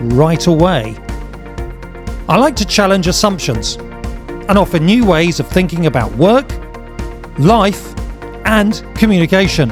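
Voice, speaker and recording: Over music in the background, a man talks at a very slow pace with long, frequent pauses. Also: very even loudness. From England. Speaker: English teacher and accent coach; public speaker. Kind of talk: self-promotional narration.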